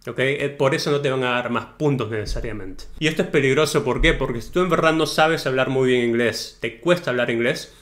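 A man tutors for an English exam in a casual video lesson, speaking directly to the viewer as tú in a chatty, advising tone and tagging sentences with ¿no? and ¿ok?. His voice is medium-pitched and a bit bright.

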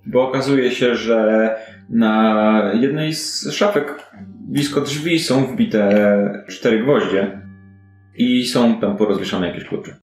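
A man's voice: on the low side, slow pace. A man narrating an improvised tabletop role-playing game as game master, in a conversational, descriptive way. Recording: roomy echo, faint music. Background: music.

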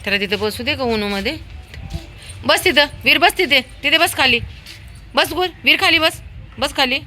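A pet owner records her dog and a small child on her outdoor home terrace, chatting casually and coaxing them in sing-song baby talk. Her voice is high, pushed and bright, at a moderate pace, with faint music behind.

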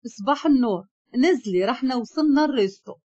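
A woman voicing a quiet, reserved young male boss with a Moroccan accent, speaking briefly and calmly. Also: very high voice, fast talker, breathy edge, dull audio, exaggerated voice. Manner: brief and calm.

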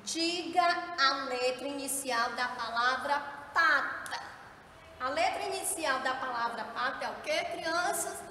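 A woman teacher explaining a board game to young children, counting aloud slowly and coaxing them along, recorded in an echoey room from some distance away. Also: high-pitched, sharp tone, a little hiss or hum.

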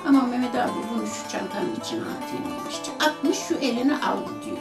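A woman's voice: a little high, huge pitch swings, a little fast. An older woman tells a personal story in an interview and acts out the voices of the people in it. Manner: vivid retelling that acts out quoted voices. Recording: echoey room with music underneath.

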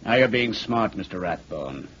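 A man's voice: fairly low pitch, lively intonation, moderate pace, a bit bright. An actor playing a cool, threatening gunman in a 1940s radio drama. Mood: cool menace. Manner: coolly threatening. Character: cool, menacing male gunman issuing threats. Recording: dull, noisy old 1940s radio recording.

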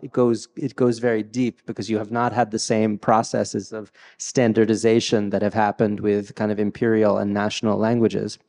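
Panel moderator, male: low, gravelly, hesitant and thoughtful, handheld mic in a big echoing hall. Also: darkish tone. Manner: thoughtful, many fillers and restarts. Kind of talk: hesitant conversational talk. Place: large hall with a stage.

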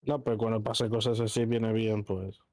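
A man with an accent from Spain talks casually in gamer banter. His voice sits at a medium pitch, recorded very dry and close. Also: level tone, moderate pace, darkish tone, dry recording. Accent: Spanish, from Spain.

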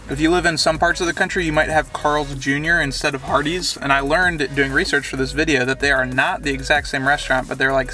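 A man's voice: fairly high pitch, bright, forceful tone. A young man chatting casually as a food vlogger from inside a car, filmed by a dashboard camera. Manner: upbeat, conversational, reviewing food. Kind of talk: casual vlog chat.

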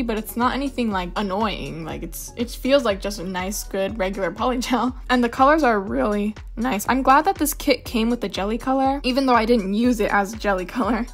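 A young woman chatting casually in a voice-over for her nail tutorial, rambling into asides and laughing often. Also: on the high side. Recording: voice-over with faint music.

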